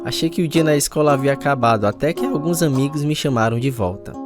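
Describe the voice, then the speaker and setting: A man's voice: medium pitch, quick pace, over music, close to an everyday voice. A man acting in a radio drama as a man telling the story of his mischievous, sporty youth. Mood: reflective. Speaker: narrator and lead actor. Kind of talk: dramatized first-person radio narration.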